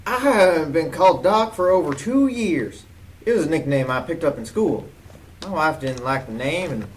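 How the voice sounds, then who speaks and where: A man's voice: on the high side, natural voice. A man playing a nervous husband in an amateur radio-style mystery play. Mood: pleading. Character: nervous husband shocked by his wife's murder. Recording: distant mic with faint background noise.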